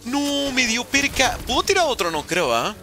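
A young man chatting jokily with his stream chat while playing, with sudden animated outbursts. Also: very high voice, normal speed, over music. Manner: jokey, reads and answers chat, animated outbursts. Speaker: gaming streamer.

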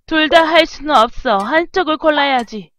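Overbearing mother in a video game read by a woman, high and pushy. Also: normal speed, a bit bright. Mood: interrogating. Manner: pushy, probing questions. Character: overbearing prying middle-aged mother.

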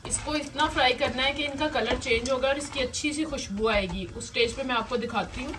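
A woman with a fairly high voice talks casually through a home recipe, explaining every step to her viewers. She sounds a little away from the mic. The kitchen noise behind her is clear. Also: fairly quick. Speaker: home cooking host. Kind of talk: casual cooking demonstration. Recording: distant mic with noisy kitchen background.

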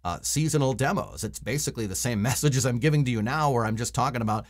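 A man in his forties speaks at a medium pitch in a conversational coaching style. He explains things casually and stresses key points by repeating them. He sounds like someone recording a tutorial at a desk in a small room at home. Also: quick pace. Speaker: voice-over coach and voice actor. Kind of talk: casual instructional vlog to camera.

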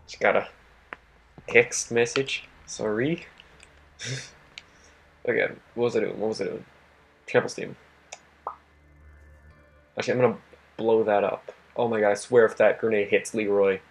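A young man with a husky, worn voice that he is losing, giving casual gameplay commentary, swearing and talking to himself. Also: lowish voice, steady tone, measured pace, long pauses, faint music behind. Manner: swears a lot, laughs often, talks to himself. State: losing his voice. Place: home at night.

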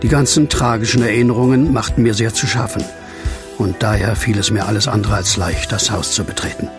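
An actor playing a troubled, grieving widower in a horror radio play, brooding and heavy-hearted. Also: male voice, fairly low pitch, fairly even intonation, fairly quick, over music, close to an everyday voice. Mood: somber narrating. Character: troubled, grieving widower just released from asylum. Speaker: lead actor and first-person narrator. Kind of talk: German horror audio drama acting.

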